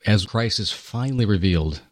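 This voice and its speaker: A man's voice: lowish voice, lively intonation, a little fast. A man co-hosting a Christian radio talk in a conversational, earnest, reflective way with preacher-like phrasing. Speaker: radio show co-host.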